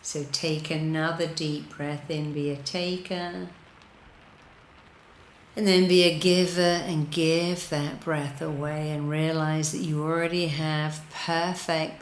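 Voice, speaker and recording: A woman with a low voice leads a guided meditation. She speaks very slowly and soothingly, leaving pauses between repeated, deliberate instructions. The sound is roomy and reverberant. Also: flat delivery, a little hiss or hum. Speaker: guided meditation leader, hypnotherapist.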